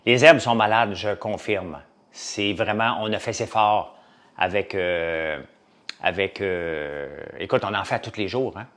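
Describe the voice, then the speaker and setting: A man's voice: on the low side, unhurried, a bit bright. Rambling Québécois French man chatting. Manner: rambling, many fillers, jumps between topics. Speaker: farmer and business owner. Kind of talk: casual chat to a live audience.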